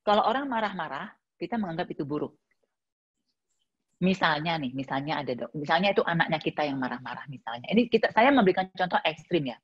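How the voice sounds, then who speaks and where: A woman's voice: fairly low pitch, husky, highs cut off. A woman giving a casual, reflective talk, answering a listener's question with plenty of everyday examples. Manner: conversational, uses many examples and fillers.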